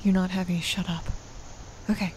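A young woman of twenty playing a protective, tender yet commanding mafia boss in an ASMR romance roleplay, breathy and often half-whispering. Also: fairly low pitch, little pitch movement, normal speed, darkish tone, slight background noise, close to an everyday voice, rough recording. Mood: urgent, protective.

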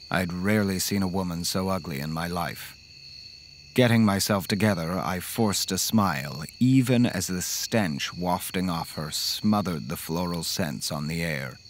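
An actor playing a polite, fussy accountant who tells a horror story in the first person, in a measured way. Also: male voice, sits low, a little hiss or hum.

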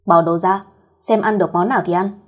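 A woman's voice: lowish voice, fairly even intonation, brisk, slightly rough. A woman voicing a bossy, curt young male company boss with a caring streak, in a fireside storyteller's audio tale. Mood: curt, commanding. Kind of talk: acted dialogue in an audio story.

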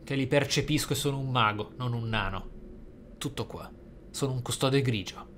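Reading out in-game text at times, a man comments on a role-play game in a reflective, explanatory way as the video's host. His voice is medium-pitched and a bit bright at a moderate pace, over faint noise and game ambience.

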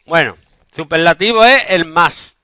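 Middle-aged man teaching a class, playfully teasing; bright, slightly high voice. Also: a little slow, clear, resonant tone, no room sound. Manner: banters and teases students, joking about football. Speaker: secondary school English teacher. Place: school classroom.

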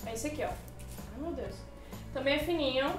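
A woman hosting a casual gift unboxing chat, excitable and full of exclamations. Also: high voice, normal speed, over music. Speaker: channel host. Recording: roomy, distant mic.

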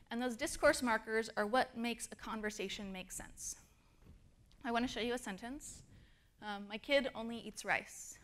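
Woman giving a conference talk, gravelly. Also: fairly high pitch, fairly bright tone. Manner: explanatory, uses fillers, varies stress to demonstrate intonation. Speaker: conference speaker. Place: conference stage.

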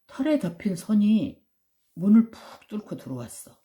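A woman reading a bedtime story slowly and gently, with whispered asides. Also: mid-range voice, big pitch swings.

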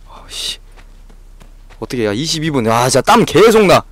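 Male streamer, frantic horror-game commentary, animated voice, dry sound, quick to yelp and swear. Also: a little high, no room sound. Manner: jumpy, swearing, frantic reactions to scares.

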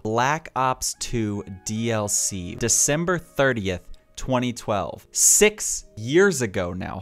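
A young man in his twenties talks over his old gaming clips into a headset mic. His voice swings lively up and down as he teases himself with quick asides. Faint music plays in the background. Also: medium pitch. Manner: animated, self-mocking, quick asides. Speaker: gaming YouTuber. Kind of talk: reaction commentary. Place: home gaming room. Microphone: headset with boom mic.

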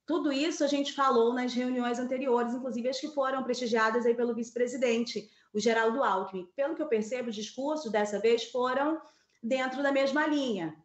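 A woman's voice: on the high side, a little fast, lo-fi sound. A woman in her thirties with a Brazilian accent, giving live political commentary over a video call, thinking aloud with many fillers and restarts. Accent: Brazilian Portuguese. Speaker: political columnist. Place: home office with map on wall. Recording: echoey room.

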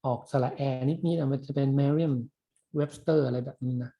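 A man's voice: medium pitch, fairly even intonation, fast talker, dark tone. A man in his forties teaching an online university class, explaining in a casual, rambling way with many fillers. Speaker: university lecturer.

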